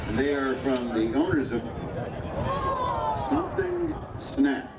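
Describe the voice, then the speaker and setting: A man's voice: mid-range voice, fairly even intonation, normal speed, over a noisy crowd. A man working as an airshow commentator, announcing model aircraft over a public address system outdoors. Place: outdoor flying field with grandstands. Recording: echoey outdoor PA, distant, muffled, noisy.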